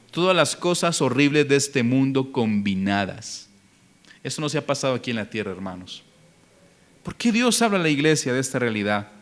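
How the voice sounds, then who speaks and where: A man preaching a Sunday sermon in a church, fervent and emphatic, moving between hushed pleading and loud bursts. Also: medium pitch. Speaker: pastor. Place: church sanctuary.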